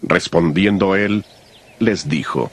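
Deep husky man narrating scripture. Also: slow pace.

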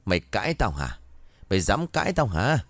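A man voicing a cruel, hot-tempered middle-aged aunt who scolds in rapid, harsh bursts. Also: medium pitch, very animated, no echo, natural voice. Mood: furious.

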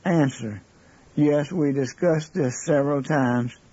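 A man's voice: fairly high pitch, slow, warm tone, slightly rough. A man giving plain testimony as an interviewee. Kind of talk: plain recollection and reading aloud. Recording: dull lo-fi archive recording.

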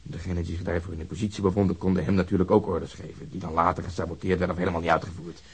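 Blunt police detective, husky low voice. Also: male voice, little pitch movement, very fast, full character voice. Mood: insistent, angry. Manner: blunt, emphatic, swearing. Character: blunt, hard-nosed, insistent Swedish police detective. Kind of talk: Dutch radio drama acting.

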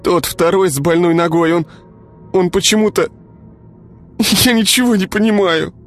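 A man's voice: normal speed, faint music behind, natural voice. A male narrator voicing a frightened, furious young woman who sobs and stammers. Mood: hysterical. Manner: sobbing, stammering, shrill outbursts.

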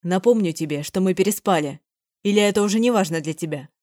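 A woman reading the lines of a young man, an insistent and passionate suitor who pleads and shouts. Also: on the high side, steady tone, normal speed, dry recording, clean studio sound, natural voice. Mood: angry.

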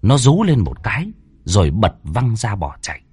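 A man narrating a ghost story in a lively, dramatic, colloquial way, with a husky voice. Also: on the low side, normal speed.

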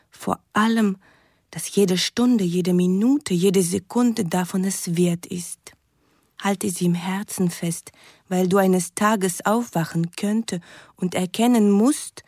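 A Russian sweetheart in a radio play, reading love letters intimately. Her voice is mellow and breathy, slightly husky, and very close and dry. She sounds tender and pleading. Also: on the low side, no echo. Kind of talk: radio drama monologue.

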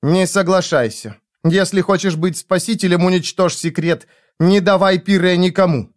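A man putting on a defiant idealist woman, raised pitch, dry close sound. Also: normal speed, clean tone, dry recording, natural voice.

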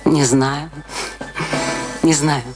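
An actress playing a bitter, despairing wife in a radio drama, speaking plaintively and theatrically. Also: female voice, low voice, steady tone, very slow, over music. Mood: anguished. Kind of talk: radio play acting.

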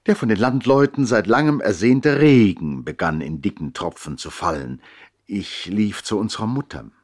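A man narrating a 1960s German radio play in a measured, dramatic literary style. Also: on the low side, expressive.

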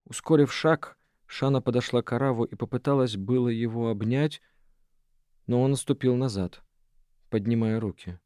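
A man narrating a novel as an audiobook in an even, measured reading voice. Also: medium pitch, clear, resonant tone, no room sound, studio quality. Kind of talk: scripted narration.

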